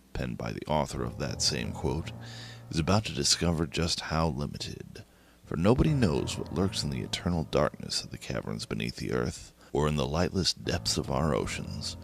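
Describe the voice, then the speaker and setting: A man hosting a horror anthology, reading scripted narration in a slow, hushed, ominous way. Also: very deep voice, creaky, slight background noise.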